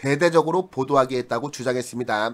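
A man speaks with ordinary pitch variation. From South Korea. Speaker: political YouTuber. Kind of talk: news reading. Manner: formal. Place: home room. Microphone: studio mic.

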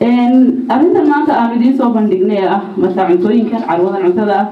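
With lively intonation and a fairly high voice, a woman talks at a moderate pace amid audible room echo. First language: Somali (speaking Arabic). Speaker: speaker. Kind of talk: formal speech; speech at an event. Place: hall.

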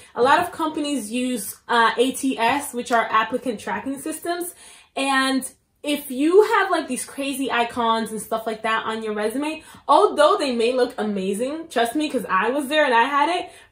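Audible room echo surrounds a woman speaking at a high pitch with lively intonation. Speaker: industrial engineering student. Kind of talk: casual talk to camera. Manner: fast. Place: home room. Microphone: phone near.

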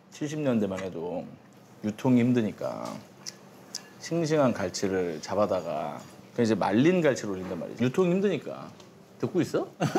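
Pausing long and often, a man speaks with very wide pitch swings over light background noise. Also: moderate pace. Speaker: TV host at a meal. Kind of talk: casual talk over food. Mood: chatty, explaining trivia. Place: cafe. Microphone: lapel.

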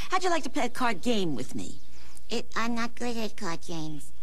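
A woman's voice at a moderate pace, with very wide pitch swings. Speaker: children's TV host. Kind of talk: scripted children's show dialogue with puppet voice.

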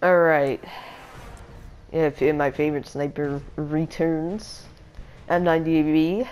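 The speaker is a woman. Her pitch is very deep and low. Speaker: gamer. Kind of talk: live gameplay commentary. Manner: excitable, casual.

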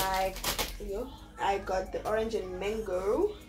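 A woman's voice over clear music in the background. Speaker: vlogger. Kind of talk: casual vlog chat. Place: kitchen. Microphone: camera far.

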